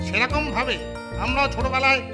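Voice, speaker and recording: A man voicing a pompous, rambling mountaineering instructor in a comedy cartoon, lecturing haltingly over music. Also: very high voice, steady tone. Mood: self-important. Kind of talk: Bengali comedy cartoon dub.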